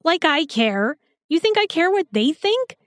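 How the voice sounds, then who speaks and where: A woman's voice: very high voice, very animated, measured pace, a bit bright, no echo, exaggerated voice. A woman playing a feisty, sarcastic young sidekick in a fantasy audio drama, slangy and defiant. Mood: scornful.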